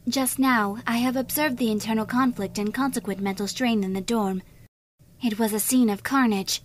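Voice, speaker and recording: Calm android girl, acted by a woman, anime style, highish, precise, protective, faint noise. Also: lightly acted. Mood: clinical. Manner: formal, precise, measured. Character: polite, literal-minded android girl, calmly protective. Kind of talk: anime fan dub voice acting.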